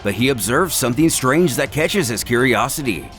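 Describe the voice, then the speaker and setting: Man narrating dramatically, widely swinging pitch. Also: lively intonation, normal speed, fairly bright tone. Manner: theatrical, emphatic storytelling delivery. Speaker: narrator and video host. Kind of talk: dramatic scripted story narration. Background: background music.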